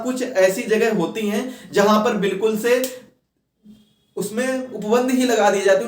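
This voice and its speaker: A man giving an explanatory exam-prep lecture, repeating and rephrasing points step by step and mixing in English terms. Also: high-pitched. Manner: mixes English terms into speech. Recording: roomy echo, distant from mic.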